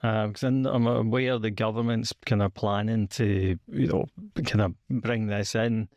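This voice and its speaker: Gravelly Scottish man interviewing. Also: on the low side, fairly even intonation, measured pace, a little mellow, no echo, studio quality. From Scotland. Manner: hedging, questions full of fillers and restarts. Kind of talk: conversational interview.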